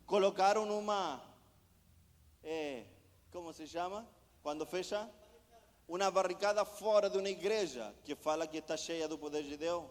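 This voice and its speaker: A man's voice: high-pitched, normal speed. A man, a missionary preacher, delivering an impassioned sermon full of repeated rhetorical questions. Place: church sanctuary. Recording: long church hall reverb.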